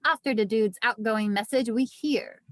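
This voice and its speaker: A woman's voice: on the high side, moderate pace, dry recording, studio quality. A woman narrating scripted stage directions at an amateur table read.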